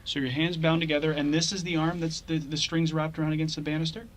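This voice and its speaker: A male police detective questioning a witness in a calm, steady way. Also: fairly high pitch, quick pace, slight background noise. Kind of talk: police interview.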